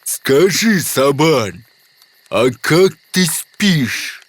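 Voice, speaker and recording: A slow, gloating forest spirit. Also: male voice, fairly high pitch, very animated, no room sound, full character voice. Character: hungry forest spirit leshy, big, mocking and sly. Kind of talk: cartoon voice acting. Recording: music underneath.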